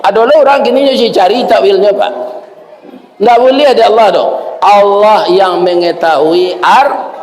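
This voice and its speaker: A man's voice: high-pitched, normal speed, a little mellow. A man preaching a sermon with a Minangkabau accent, in a folksy way, often asking the listeners for agreement. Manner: folksy, addresses listeners as "Pak", asks "ya kan?". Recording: echoey hall with faint ambient noise.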